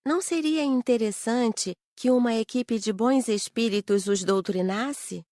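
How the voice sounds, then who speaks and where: A woman's voice: fairly high pitch, unhurried, darkish tone, dry recording, studio quality, lightly acted. A woman with a Brazilian accent playing a curious, earnest student spirit who puts questions in an audiobook. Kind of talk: audiobook dramatised reading.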